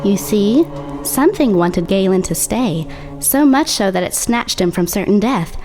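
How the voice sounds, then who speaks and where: A woman plays a dead girl telling her own story in a horror audio drama. She is wry and conversational, as if confiding in one listener, at a medium female pitch. Music plays clearly beneath her. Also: expressive, measured pace, natural voice, rough recording. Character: dead teenage girl narrator, wry, sardonic, haunting. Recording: music under the voice.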